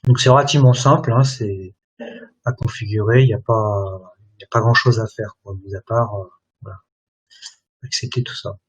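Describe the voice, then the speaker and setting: Guy doing a product webinar, kinda husky, lots of um and voilà, stop-start. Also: lowish voice, fairly even intonation, normal speed, highs cut off. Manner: hesitant, many fillers like voilà and hein. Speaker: product presenter. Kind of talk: webinar software demo.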